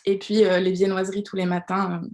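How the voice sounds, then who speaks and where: A woman from the French Atlantic coast, a sociocultural and language facilitator, talking in a relaxed way with light laughs over a video call. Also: medium pitch, a little fast. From France, Atlantic coast.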